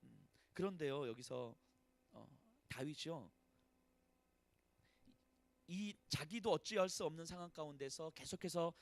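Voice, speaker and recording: A male pastor preaching at a church service, swinging between loud pleading and hushed, sorrowful lament, often speaking prayers of complaint in the first person. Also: a little high, animated, measured pace, gravelly, long pauses. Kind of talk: sermon.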